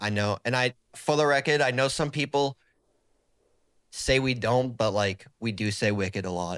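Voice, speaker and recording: A man with a strong Boston accent speaks at a moderate pace with ordinary pitch variation and long, frequent pauses. The recording is very clean, with a silent background. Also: medium pitch for a man, dry, close sound with no echo. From South Boston, Massachusetts. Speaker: ABA therapist and entertainment business owner. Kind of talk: casual interview chat.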